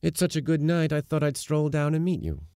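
A man voicing a gentle, kindly middle-aged father in an audiobook story, quiet, understated and reassuring. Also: a little high, big pitch swings, fairly quick, dry recording, clean studio sound, pitched above the performer's own voice.

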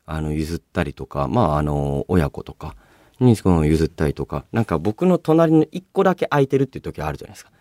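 A man hosting a casual solo radio show, chatting and reading out listener mail in a polite but chatty, animated way. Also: on the low side, no echo, studio quality. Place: radio studio, dry sound.

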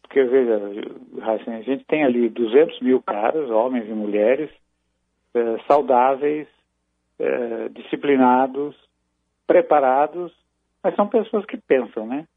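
A Brazilian man commenting on military affairs in a halting, measured way, with many restarts. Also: medium pitch, vocal fry, dry recording. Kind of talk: phone-in analysis on a news program. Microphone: phone. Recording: tinny phone line.

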